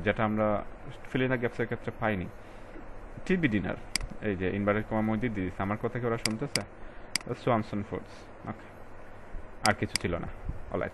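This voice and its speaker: Tutor reading English words slowly. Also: male voice, on the low side, noisy background. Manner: switches between Bengali and English, reads passage lines slowly and stresses words; addresses students directly, casual colloquial. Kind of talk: recorded exam-prep lesson.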